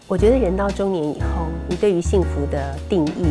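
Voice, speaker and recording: Clear music plays in the background as a woman talks at a moderate pace. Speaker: writer and teacher. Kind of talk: interview answer. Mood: calm, reflective. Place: shop. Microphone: lapel.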